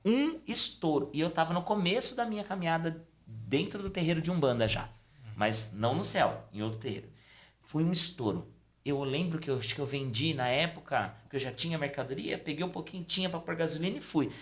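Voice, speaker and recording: A middle-aged man, a podcast guest telling a personal story casually and acting out the dialogue. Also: fairly quick. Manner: animated storytelling, acting out dialogue with pitch swings. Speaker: podcast guest, Umbanda priest.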